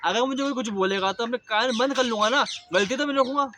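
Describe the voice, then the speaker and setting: A man's voice: very high-pitched, fast, background noise. A man giving earnest life advice in a casual motivational talk, explaining patiently and dropping in English words.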